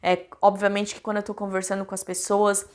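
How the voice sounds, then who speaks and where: A woman's voice: mid-range voice, monotone, a little fast. Chatty Brazilian woman vlogging. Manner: chatty, addresses viewers directly, many fillers. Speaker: cruise ship crew vlogger. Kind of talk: casual chat to viewers.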